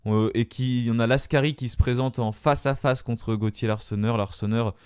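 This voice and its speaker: Man, match debrief, hesitant with fillers, smooth voice, dry close sound. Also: mid-range voice, fairly even intonation, normal speed, darkish tone, no echo. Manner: hesitant, many fillers and restarts. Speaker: fan channel host.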